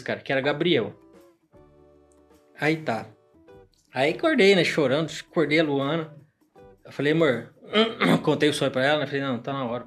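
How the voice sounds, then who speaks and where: A man tells a personal story in casual podcast chat, his voice sitting a little high for a man. He talks with feeling, acts out the lines of the people in his story, and keeps dropping in casual fillers. Soft guitar music plays quietly behind him. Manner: emotional storyteller who peppers speech with "cara" and acts out dialogue.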